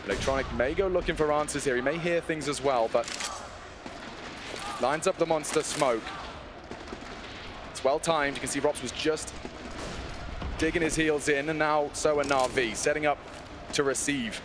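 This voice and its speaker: A man working as an esports caster, calling live play-by-play with excitable, dramatic phrasing. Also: fairly high pitch, normal speed, long pauses. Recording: noisy game audio behind voice. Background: gunfire and game sounds.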